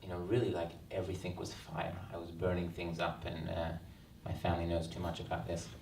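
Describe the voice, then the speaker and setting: Australian man, 30s, low and flat delivery, earnest and reflective; far-off roomy hall recording with faint ambience. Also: brisk, vocal fry, a little hiss or hum. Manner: earnest, reflective, frequent ums. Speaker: author. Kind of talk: book launch talk. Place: event hall. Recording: roomy hall sound, mic at a distance.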